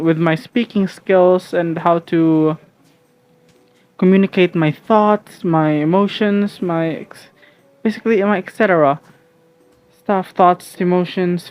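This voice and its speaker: A man's voice: high voice, fairly even intonation, unhurried, a little mellow, smooth. A young man from the Philippines whose first language is Filipino, rambling casually and hesitantly at home with many restarts and fillers. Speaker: vlogger.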